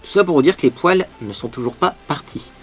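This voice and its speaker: A man's voice: a little high, animated, a little fast, slightly rough. A man vlogging as he gets ready, chatting and explaining beauty products, with many fillers along the way. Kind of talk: get-ready-with-me vlog, product demo.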